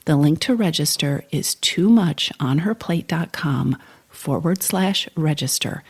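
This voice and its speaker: Slightly hoarse woman podcast host. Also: deep voice, expressive, a little slow, dry recording. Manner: encouraging, coaching tone. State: slightly hoarse from a sore throat. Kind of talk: solo podcast talk.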